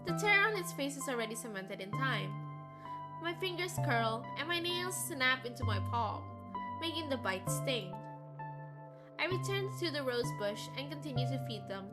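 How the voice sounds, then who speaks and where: High-voiced woman streaming over music. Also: big pitch swings, moderate pace. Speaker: streamer playing a visual novel. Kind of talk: reading game narration aloud, casual stream commentary. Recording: music behind the voice. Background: game music.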